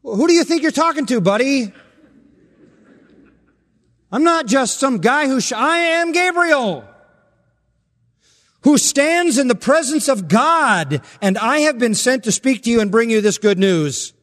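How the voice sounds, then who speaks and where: Gabriel, a preacher voicing an indignant archangel. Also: male voice, very high voice, expressive, a little slow, fairly bright tone, pitched above the performer's own voice, exaggerated voice. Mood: emphatic, indignant. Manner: emphatic, declaiming, mock-indignant. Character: mighty male archangel, emphatic and indignant. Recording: long hall reverb.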